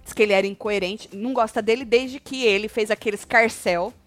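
A woman's voice: fairly high pitch, brisk, faint music behind. A woman hosting a casual chat about a reality show, retelling scenes and acting out what people said. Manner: animated retelling, acting out quoted lines.

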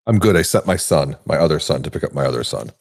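A middle-aged man at a tabletop game, joking with the table and reading out rules. His pitch swings a lot as he talks. He sounds casual and lively. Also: quick pace. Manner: animated, joking, reads out rules. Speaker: player.

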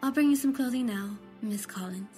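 A woman playing a calm, reassuring clinician in a sci-fi audio drama, gentle and methodical. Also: a little high, a little fast, loud music behind the voice, lightly acted. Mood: calm reassurance.

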